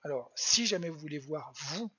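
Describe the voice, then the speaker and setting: A planetarium educator giving a live online astronomy demo for children, explaining patiently with lots of hesitant fillers and quiet muttered asides while clicking through web pages. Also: medium pitch, lively intonation, moderate pace, breathy edge, highs cut off. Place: at home.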